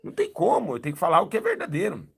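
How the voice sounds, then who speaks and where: A young Brazilian man, a pastor, giving a lively church testimony and acting out the dialogue as he tells it. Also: on the high side, very fast, creaky, slightly rough. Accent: Brazilian Portuguese. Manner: animated storytelling, acting out dialogue.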